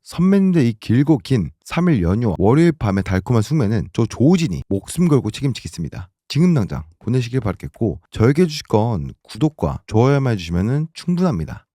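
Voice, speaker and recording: A man hosting a stock market channel, delivering an urgent, emphatic scripted pitch while hoarse from a throat cold. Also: very animated, fast talker, few pauses, mellow, no echo, studio quality.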